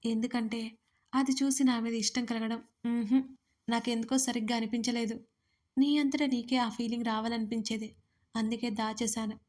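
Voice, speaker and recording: Shy young woman, tearful, in love, soft hushed confession, audio story, woman narrator performing, flat melody. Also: fairly high pitch, moderate pace, lightly acted.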